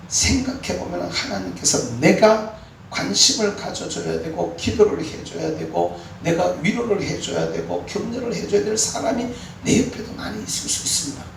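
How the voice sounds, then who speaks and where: A man preaching a sermon as pastor, exhorting with animated, emphatic peaks. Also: high voice, moderate pace, creaky. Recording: echoey hall, mic far off, faint room noise.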